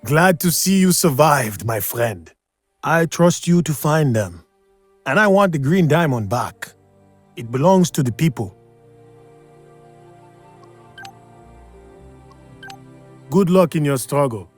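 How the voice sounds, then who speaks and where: An actor voicing a solemn, resolute revolutionary leader in a video game, speaking in a formal, earnest, measured way. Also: male voice, a little high, animated, soft background music. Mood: grateful, resolute. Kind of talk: scripted game dialogue.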